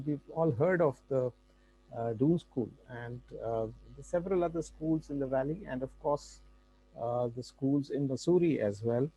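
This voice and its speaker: Mellow-voiced Indian-accented man explaining. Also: a little high, breathy edge, dry recording, poor audio. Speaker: panel speaker. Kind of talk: informal explanatory talk.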